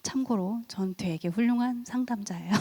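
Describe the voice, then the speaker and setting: A middle-aged woman giving a church family seminar talk. She tells lively stories, acts out what people said, and laughs often. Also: medium pitch, moderate pace, breathy edge. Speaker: seminar speaker and counselor. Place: church hall. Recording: echoey church hall.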